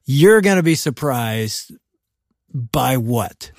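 A man co-hosting a radio talk show, joking and chatting in a playful, excitable way. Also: medium pitch, slow pace, dry recording, studio quality. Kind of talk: casual studio chat.

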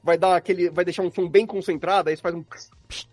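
A man's voice: sits high, steady tone, quick pace, darkish tone, no room sound. A man with a Brazilian accent talking casually as a guest sound designer, explaining his craft and acting out his thought process. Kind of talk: casual interview chat about craft.

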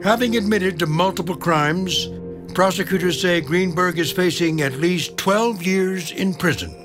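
A man's voice: sits high, unhurried. An American man narrating a true-crime documentary in a dramatic tabloid TV style, with a scripted delivery. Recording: music playing behind narration. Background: dramatic background music.

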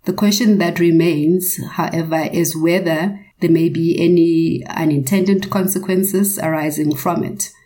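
A woman's voice: fairly low pitch, fairly even intonation, a little slow, few pauses, warm tone. A woman speaking formally and carefully, explaining points in a prepared legal panel discussion.

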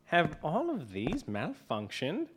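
A woman's voice: low voice, wildly swooping pitch, slow, background noise, exaggerated voice. An actress voicing a nosy, teasing male mad scientist who grabs other people's things. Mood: sly.

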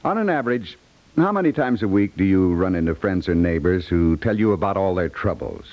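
A man's voice: low voice, expressive, brisk. An American man reading scripted copy as a 1950s radio announcer. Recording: dull 1950s radio recording.

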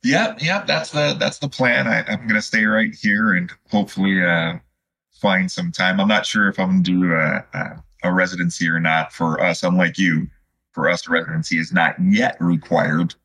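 A man in his fifties from Chicago, answering as a podcast guest in a conversational, halting and reflective way. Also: deep voice, steady tone, sharp tone, husky. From Chicago, United States. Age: 50s. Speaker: podcast guest, student physical therapist.

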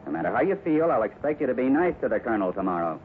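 A stern, upright cowboy, acted by a man in a vintage radio western, firm and fatherly. He talks quickly with a lively, mid-pitched voice. The sound is tinny, with some hiss. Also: lightly acted. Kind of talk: 1950s radio western acting. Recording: scratchy 1950s radio recording, tinny, noisy.

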